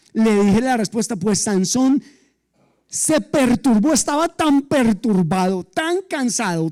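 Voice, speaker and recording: A male pastor preaching a sermon, retelling a story in an animated way with humorous asides to the congregation. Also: sits high.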